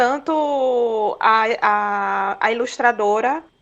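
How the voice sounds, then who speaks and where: The woman's voice is fairly high with fairly even intonation. A quiet background lies behind her. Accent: northeastern Brazilian. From Brazil, Pernambuco (Olinda). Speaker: participant, parent or teacher. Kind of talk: casual remarks in online meeting.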